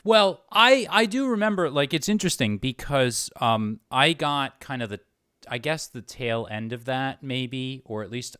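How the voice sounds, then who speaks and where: A man's voice: medium pitch, pushed and bright, smooth, dry recording, studio quality. A man interviewing in a casual, conversational way, circling tentatively toward his points. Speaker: interviewer, host.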